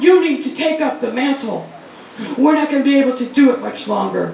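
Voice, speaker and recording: A man's voice with fairly even intonation, audible room echo, and noticeable background noise. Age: 60s. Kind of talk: rally speech. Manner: impassioned.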